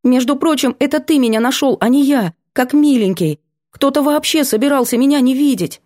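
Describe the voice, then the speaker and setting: A cheeky, bookish girl student with a raised, chirpy voice, quick to tease and to protest, as a woman reading an audiobook puts her on. The sound is dry and close, with a mellow tone. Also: sits high, no room sound, voice pushed up. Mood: indignant. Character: bookish stubborn cheeky young female student. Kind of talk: audiobook character voice.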